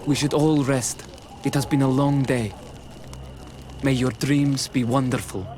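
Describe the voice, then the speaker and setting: A man's voice: mid-range voice, steady tone, a little slow, a little mellow, slight background noise, close to an everyday voice. A man acting a gracious, formal tribal village host in a video game.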